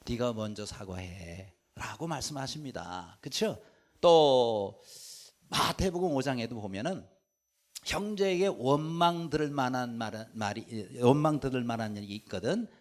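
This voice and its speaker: Animated Korean male pastor preaching. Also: mid-range voice, moderate pace. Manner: animated storytelling, acting out quoted dialogue. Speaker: senior pastor. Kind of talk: sermon.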